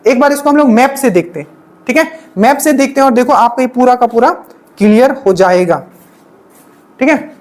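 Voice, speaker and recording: A woman's voice: fairly high pitch, lively intonation, normal speed, pauses often, a little mellow. A woman teaching an exam-prep lesson, repeating each memory trick and checking in with the class again and again. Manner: repetitive drilling, frequent checking-in asides.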